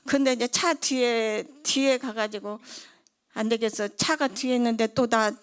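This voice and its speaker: A woman's voice: on the high side, steady tone, moderate pace, smooth. A middle-aged woman giving an emotional healing testimony at church, re-enacting conversations in a tumbling rush.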